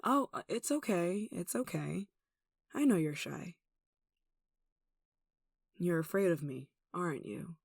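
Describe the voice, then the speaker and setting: A woman's voice: fairly low pitch, big pitch swings, takes it slowly, gravelly, pauses often, husky, no room sound, studio quality, full character voice. A woman playing a tall, possessive, lovesick kidnapper in an intimate ASMR roleplay, cooing and coaxing with sweet menace, sighs and giggles. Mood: sweet, menacing.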